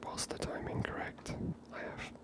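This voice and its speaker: A man whispering unhurried ASMR commentary over a video game, breathy and musing aloud as the host.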